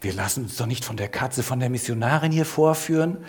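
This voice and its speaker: A man's voice: medium pitch, lively intonation, brisk, a little mellow, husky. A man voicing a group of indignant women in a children's story, astonished and put out.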